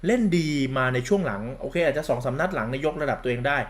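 A man's voice: mid-range voice, expressive, fast talker. A campy man gives a sarcastic, crude-mouthed football commentary rant, calling himself big sister. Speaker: football vlogger.

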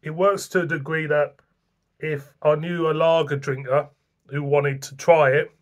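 A middle-aged man talks through a tasting in a loose, chatty way. His voice sits a little high for a man. He is recorded on a desk camera in a small room at home. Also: steady tone, a little slow. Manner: chatty, rambling, plain-spoken. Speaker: beer reviewer. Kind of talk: casual beer-tasting review to camera.

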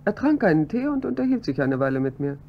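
An actress playing a composed, precise head pharmacist who comes to the police as a witness in a radio drama, speaking in a measured, guarded way. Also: female voice, sits low, sing-song. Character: composed female head pharmacist, adult woman. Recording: dull, slightly noisy audio with hum.

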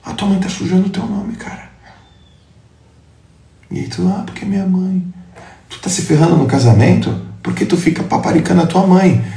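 A fired-up man delivers a motivational talk with a blunt, profane, confrontational edge. His pitch sits a little high and swings widely as he hammers his points home. The sound carries a roomy echo around him. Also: lively intonation, normal speed, gravelly, long pauses, warm tone. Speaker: motivational speaker. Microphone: live stream. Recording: echoey room.

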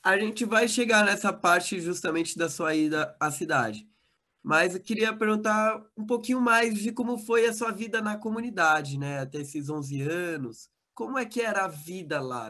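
A man interviewing, asking gentle probing questions over a video call. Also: on the high side.

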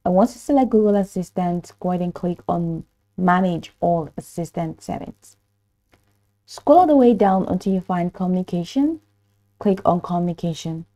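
A woman narrating a step-by-step software tutorial in an instructional manner, hesitant in places. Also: fairly low pitch, normal speed. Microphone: voice-over for screen recording.

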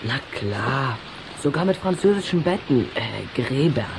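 A man playing an earnest, loyal, quick-witted boy in a children's radio play, sometimes hesitant. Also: mid-range voice, expressive, noisy background. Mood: bluffing. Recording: clear background rain ambience.

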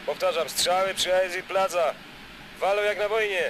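A man's voice: high-pitched, fairly even intonation, normal speed, a bit bright, a little hiss or hum, poor audio. An actor playing a male patrol officer calling for backup over a police radio in clipped, urgent bursts. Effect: police radio transmission.

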